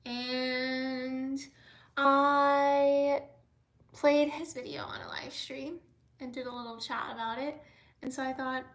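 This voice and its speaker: High-voiced young american girl chatting slow on a livestream, reads comments, drops to whispers a lot. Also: flat delivery. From United States. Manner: reads viewer comments aloud, drifts into soft whispers. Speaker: livestream host. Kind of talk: casual livestream chat.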